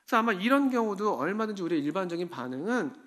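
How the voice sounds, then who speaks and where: A man gives a sermon in a church, his voice a little higher than most men's. He talks to the congregation in an easy, conversational way and often puts questions to them. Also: big pitch swings, racing, fairly bright tone. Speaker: pastor.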